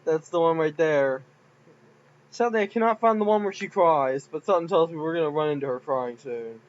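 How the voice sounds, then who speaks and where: A man's voice: fairly high pitch, a little fast, dull audio, a little hiss or hum. A man casually commenting on his own game files, rambling and giggly. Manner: rambling, giggly, self-mocking. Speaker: game modder.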